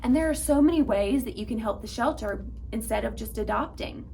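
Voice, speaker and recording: A woman reading aloud to young children at storytime, with an animated manner and speaking directly to her listeners. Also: a little high, brisk, vocal fry, a little hiss or hum. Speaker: children's librarian and storytime reader.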